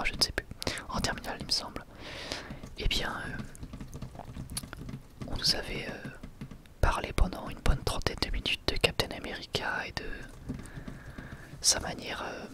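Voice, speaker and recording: A person whispering softly in a library-style ASMR manner, musing casually and unhurriedly while presenting a book.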